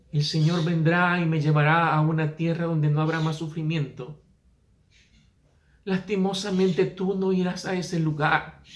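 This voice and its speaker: A man preaching a sermon voices a patient wife who speaks softly and tenderly. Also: fairly high pitch, natural voice. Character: patient, kind, gentle wife.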